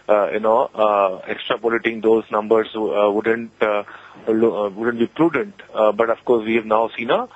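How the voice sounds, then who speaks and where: A man with a fairly low voice speaks as an analyst on a call. He is halting, padding his question with hesitations. The line is narrow and phone-like. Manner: halting, hesitant, many long filled pauses. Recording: thin, narrow telephone line.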